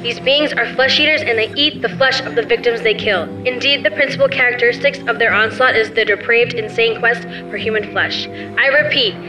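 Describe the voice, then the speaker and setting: A woman's voice: on the high side, a little fast, close to an everyday voice, poor audio. A young woman playing a formal, emphatic emergency newsreader delivering urgent bulletins in a radio play. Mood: grave, urgent. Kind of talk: radio news bulletin acting. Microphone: stand microphone. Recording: music behind stage performance.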